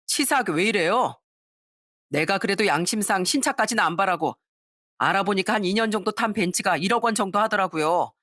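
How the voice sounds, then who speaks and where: A woman's voice: lowish voice, expressive, normal speed, dry recording, studio quality. Woman doing a whiny jobless brother-in-law. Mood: wheedling. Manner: wheedling, petulant grumbling.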